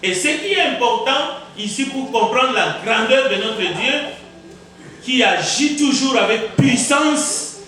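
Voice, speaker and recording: A man's voice: very high voice, expressive, sharp tone, very echoey, far from the mic, rough recording. A man preaching a sermon as pastor, with Kizimba as his first language, emphatic and repeating words for effect. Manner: emphatic, repeats words, rhetorical questions, deliberate pauses. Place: church sanctuary.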